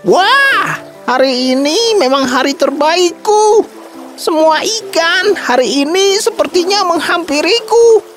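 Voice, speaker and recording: A woman voicing an elderly male fisherman, hardworking and stubborn, in a cartoon story; she speaks in a slow, earnest, fussy way. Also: very high voice, animated, over music, full character voice. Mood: excited.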